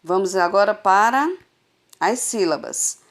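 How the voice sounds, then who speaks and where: A woman teacher giving a recorded adult literacy lesson over a phone, sounding out syllables slowly and patiently. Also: medium pitch. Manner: slow, patient, drawn-out syllables.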